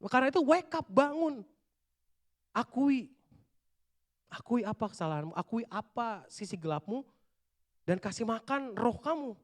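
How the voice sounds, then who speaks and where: A man preaching a lively youth sermon in casual slang, swinging between hushed asides and shouted bursts. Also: very high-pitched, normal speed, pauses often. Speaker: youth pastor. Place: church hall.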